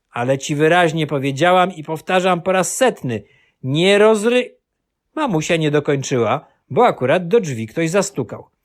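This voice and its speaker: A man talks at a moderate pace with lively intonation and a fairly high pitch. The recording is very clean, with a silent background. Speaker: audiobook narrator. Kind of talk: dramatic narration, reading aloud a children's story with voiced characters. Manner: animated, playful boyish storytelling; shifts tone between characters: scolding mother, chatty aunt.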